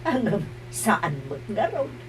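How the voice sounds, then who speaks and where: A woman's voice: medium pitch, big pitch swings, slow pace. A woman playing an outspoken, concerned older mother in an audio drama, questioning and emotional. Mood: probing. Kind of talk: amateur drama acting. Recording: distant mic with faint hum.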